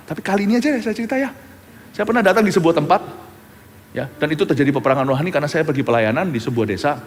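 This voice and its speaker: A male pastor delivering a lively sermon, swinging between loud bursts and hushed low lines. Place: large church hall. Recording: church hall with long reverb.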